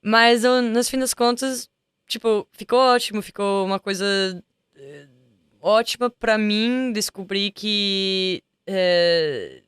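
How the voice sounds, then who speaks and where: Woman, smooth voice, chatty. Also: medium pitch, takes it slowly, dry recording, clean studio sound. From Italy. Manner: chatty, searches for words with many restarts. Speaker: guest singer. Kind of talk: casual interview chat. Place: music studio.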